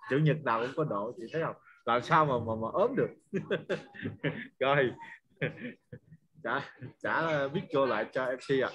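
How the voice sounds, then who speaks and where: A man's voice: medium pitch, expressive, moderate pace, long pauses. A man in his forties, a business trainer, talking casually on a video call from home, rambling and laughing as he asks his listeners questions. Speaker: business trainer hosting a morning Zoom session. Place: home room with guests over. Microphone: webcam microphone on a video call. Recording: loud crowd chatter behind the voice. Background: noisy party crowd in the house.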